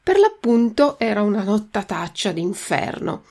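A woman reading a children's classic chapter by chapter for learners, with slow, careful enunciation, then drilling the vocabulary. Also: mid-range voice, big pitch swings, creaky, darkish tone, faint music behind. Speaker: reader and language teacher.

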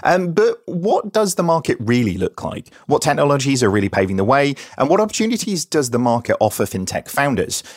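A man's voice: mid-range voice, big pitch swings, a little fast, few pauses, no echo, studio quality. A man with an East Anglian English accent, presenting as an informal, chatty podcast host and introducing guests. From England.

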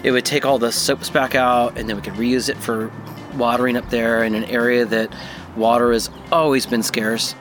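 A man speaking in a relaxed, conversational way, interviewed outdoors on a roof deck. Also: mid-range voice, normal speed, faint music behind. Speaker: interviewee, homeowner. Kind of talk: casual interview.

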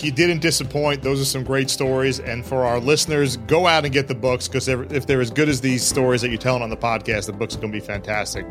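A man hosts a podcast and thanks his guest before reading the credits in a friendly, even way. His voice sits in a middle pitch, with a clear music bed running under it. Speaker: podcast host. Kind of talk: scripted podcast outro.

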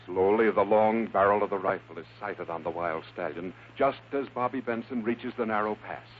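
A man's voice: fairly low pitch, moderate pace. A man narrating an old radio adventure serial in a suspenseful, theatrical style. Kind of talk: dramatic scripted narration, 1950s radio adventure. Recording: noisy, tinny old radio recording.

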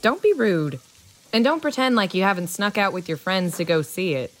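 An actress playing an easygoing small-town mother in an audio drama, folksy, teasing and gently scolding. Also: mid-range voice, animated, normal speed, slight background noise, close to an everyday voice. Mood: matter-of-fact, chiding. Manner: folksy, teasing, matter-of-fact.

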